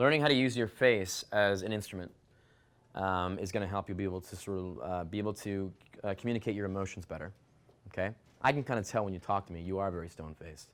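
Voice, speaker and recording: On a very clean recording with a silent background, a man with a Canadian accent and a fairly low pitch talks at a very fast pace. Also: ordinary pitch variation. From New Brunswick, eastern Canada. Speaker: dating coach. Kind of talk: workshop talk answering questions. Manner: projecting, loud without yelling.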